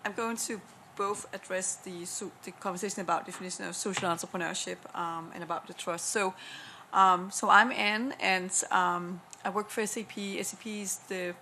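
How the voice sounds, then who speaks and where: Woman with a Danish accent, panel speaker, enthusiastic, persuasive, mid pitch. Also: fairly even intonation, normal speed, sharp tone, a little hiss or hum. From Denmark. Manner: enthusiastic, persuasive, rattles off figures. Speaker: panelist, corporate innovation lead. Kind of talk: panel discussion remarks. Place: conference room at a panel event.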